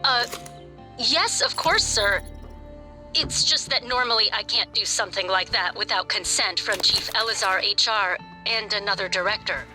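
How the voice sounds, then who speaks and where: A dutiful security officer. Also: female voice, mid-range voice, moderate pace, pushed and bright, soft background music. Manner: respectful, a bit hesitant. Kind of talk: video game dialogue.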